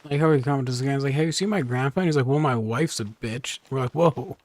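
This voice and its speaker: A man's voice: medium pitch, fast talker, darkish tone, no echo. Irreverent man doing casual gaming commentary. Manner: irreverent, joking, profane asides. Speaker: streamer, gamer. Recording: faint noise and clicks.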